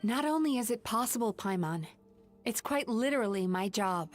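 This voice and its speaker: A woman voicing a composed, determined young female healer in a video game, speaking in a measured, earnest way. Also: on the high side, lively intonation, lightly acted. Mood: resolute. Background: game music.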